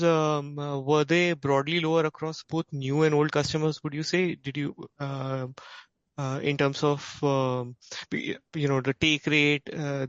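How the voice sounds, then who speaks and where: Smooth higher-pitched Indian male analyst, halting. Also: no room sound. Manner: hesitant, halting, self-interrupting. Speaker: financial analyst asking questions. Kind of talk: unscripted questioning on earnings call. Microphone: conference call line. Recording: dull, lo-fi conference call audio.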